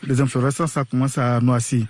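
A man's voice: mid-range voice, level tone, fairly quick, a little mellow. A man botanist speaking in an interview, carefully searching for words.

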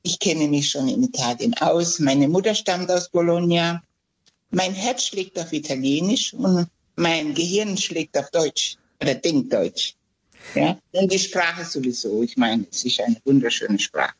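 A woman in her seventies, born in Italy, talks in a chatty, hesitant way, often stopping on fillers. Her voice sits at a middle pitch and is slightly husky. The line sounds dull and lo-fi. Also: lively intonation, measured pace. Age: 70s. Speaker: interview guest. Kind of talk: casual interview answers.

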